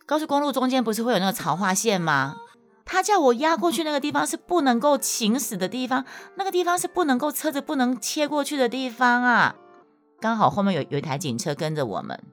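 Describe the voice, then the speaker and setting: A woman's voice: brisk, soft background music. A young woman with a Taiwanese Mandarin accent telling a story to her listeners in a casual, emphatic way, her voice leaping up when she gets worked up. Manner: animated, emphatic, voice jumps high when worked up.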